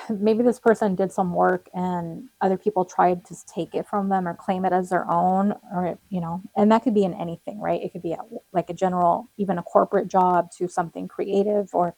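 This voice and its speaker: Casual tarot reader, young woman, rambling and friendly, voice going hoarse. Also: fairly low pitch, steady tone, a little fast, dark tone, no echo, rough recording. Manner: chatty, rambling, with frequent fillers and little laughs. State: losing her voice, slightly cracking. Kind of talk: casual tarot reading to viewers.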